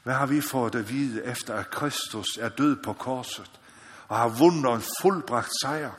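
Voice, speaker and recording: Earnest preacher man in a reverberant hall. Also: medium pitch. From Faroe Islands. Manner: earnest, repeats "ikke også?", rises to loud exhortation. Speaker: missionary preacher. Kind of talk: sermon. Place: church or meeting hall.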